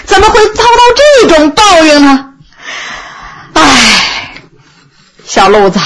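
A man's voice: high-pitched, gravelly, slightly rough, pitched below the performer's own voice, heavily acted. A woman voicing an anxious, honest old male innkeeper who stammers, sighs and laments tearfully in a storytelling performance. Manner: stammering, sighing, drawn-out lamenting.

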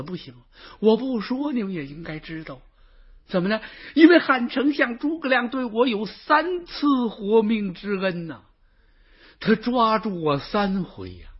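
A man voicing a sullen, stubborn young warrior son who speaks quietly and reluctantly. Dull lo-fi recording. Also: high-pitched, husky, exaggerated voice.

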